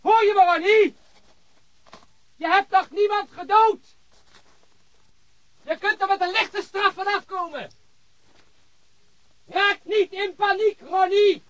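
An actor playing an anxious, moralising police detective, exasperated and earnest, in a radio drama. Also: male voice, very high-pitched, steady tone, takes it slowly, long pauses, a bit bright, highs cut off, exaggerated voice. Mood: shouted pleading. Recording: radio drama recording with background noise.

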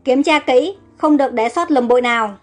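Ruthless king, commanding; a woman reads him in her own high voice. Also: a little fast, soft background music. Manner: commanding orders. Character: cunning ruthless male Babylonian king.

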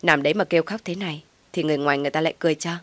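A woman playing a level-headed married man, measured and stern, low voice, dry recording. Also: dry recording, lightly acted. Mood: reproachful. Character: calm, reproachful elder son, a man.

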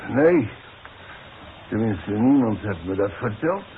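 An actor playing a stubborn, proud old demolition worker in a 1960s radio play, speaking in a gruff, halting grumble. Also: male voice, lowish voice, big pitch swings. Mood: grudging, halting. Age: older. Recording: noisy, muffled 1960s radio recording.

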